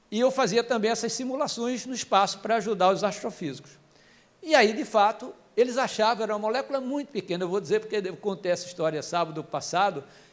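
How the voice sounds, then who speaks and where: Very fast, animated delivery with ordinary pitch variation, in a northeastern Brazilian accent. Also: man, high pitch for a man. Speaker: education speaker, former university rector. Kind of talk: lecture. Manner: animated storytelling.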